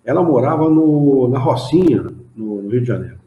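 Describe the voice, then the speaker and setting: In a dull, echoey hall belonging to an association, a man with a Brazilian Portuguese accent guides an informal study group. He chats in a lively way and reads passages aloud. His medium-pitched voice is expressive and keeps a moderate pace.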